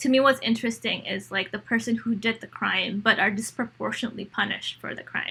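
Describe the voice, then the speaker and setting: Speaking very fast in an American accent, a woman with a fairly high pitch uses ordinary pitch variation. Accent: slight, sounds passably American. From Indonesia. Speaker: journalist and film producer. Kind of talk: casual podcast interview. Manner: frequent fillers, code-switching English and Indonesian.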